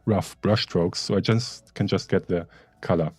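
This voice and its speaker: Guy on a live stream cracking dry jokes, low mellow husky voice, um-ing as he works. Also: steady tone, moderate pace, dry recording. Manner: joking, wry, trails off with fillers. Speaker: livestream co-host. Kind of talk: casual live-stream chat while working.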